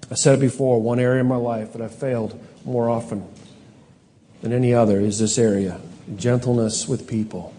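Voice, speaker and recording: A middle-aged man from Canada preaching a sermon as pastor, earnest, reading scripture slowly and with emphasis, sometimes correcting himself. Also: medium pitch, mellow. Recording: long hall reverb.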